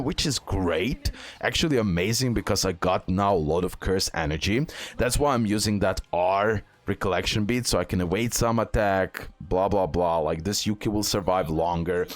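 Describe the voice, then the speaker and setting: A man with a fairly low voice talks through game strategy as a video host. He is a non-native English speaker. His delivery is informal, and he often repeats phrases to stress a point. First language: not English. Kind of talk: casual game strategy commentary over recorded gameplay.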